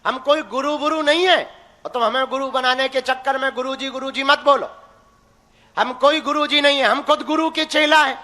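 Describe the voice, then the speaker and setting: A young man preaches to a crowd, teasing and folksy as he presses his point. His voice sits very high and cuts through sharply. It rings out with a long reverb, as if in a big hall. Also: moderate pace, sharp tone. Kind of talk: live religious discourse to a crowd.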